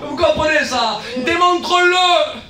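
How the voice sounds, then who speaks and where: A man with a southern French accent preaches with real fire, his voice sitting very high and ringing bright. He swings between shouted lines and softer, confiding asides, often repeating a word before pushing on. He is heard from some distance in an echoey church. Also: measured pace. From South of France. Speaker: guest pastor. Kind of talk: sermon. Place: church hall.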